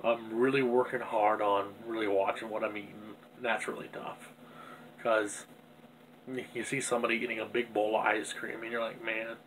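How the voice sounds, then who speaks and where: A man's voice: fairly low pitch, little pitch movement, normal speed, a bit bright, a little hiss or hum, poor audio. A man with a stuffy nose talking candidly and self-critically in a rambling personal video diary. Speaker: vlogger.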